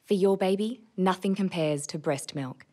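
A woman's voice: lowish voice, normal speed, darkish tone. A young woman reading scripted commercial and narration voice-over, close on a studio microphone. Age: young adult. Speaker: voice-over artist. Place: recording studio vocal booth, indoors. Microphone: large studio condenser with pop filter, close.

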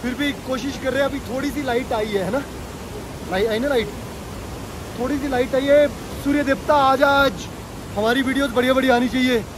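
Brief: high-pitched, chatty travel vlogger man from Delhi, shot on a handheld camera with loud outdoor noise behind. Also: a little fast. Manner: chatty, excitable, talks to camera and strangers. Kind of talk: casual travel vlog. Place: outdoors in a rainy forest area.

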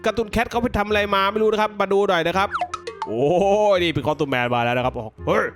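High-pitched, excitable man commenting on a game. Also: fast talker, music in the background. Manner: exclamatory, reacting aloud to the action. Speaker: gaming video host.

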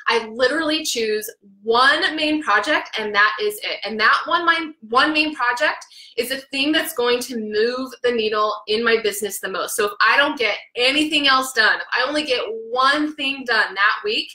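Hyper loud lady podcasting from her home office, bright punchy voice, kinda echoey room. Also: on the high side, normal speed. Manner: hyper, excitable, naturally loud, laughs often. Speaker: podcast host. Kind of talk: energetic live video podcast. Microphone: studio mic with headphones.

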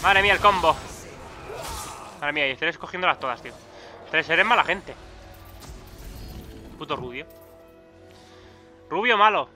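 A young man with a Peninsular Spanish accent giving excitable, swearing commentary over his own gameplay. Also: on the high side, moderate pace, pauses often, soft background music. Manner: excitable, swearing, frequent loud outbursts. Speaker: gaming YouTuber.

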